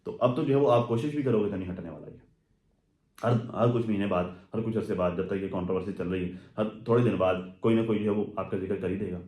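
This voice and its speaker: A man's voice: lowish voice, a little fast, warm tone. A man giving casual, rambling commentary on social media gossip, full of fillers and asides. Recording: echoey room.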